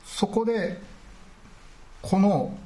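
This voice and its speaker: A man delivering a Sunday sermon, his voice sitting a little high. He speaks earnestly and at a measured pace, filling pauses with small verbal fillers. He slows down deliberately to press home his main points. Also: warm tone. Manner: measured, earnest preaching with frequent filler words. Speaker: pastor.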